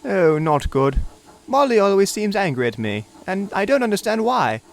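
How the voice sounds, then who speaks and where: Kind young engine, earnest and worried, raised pitch, played by a male narrator. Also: very animated, normal speed, creaky, full character voice.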